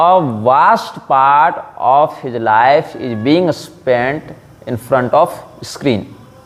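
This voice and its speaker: A man's fairly high voice moves at a very slow pace, its pitch varying ordinarily, while noticeable background noise sits underneath. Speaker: spiritual leader. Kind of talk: public statement. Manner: formal.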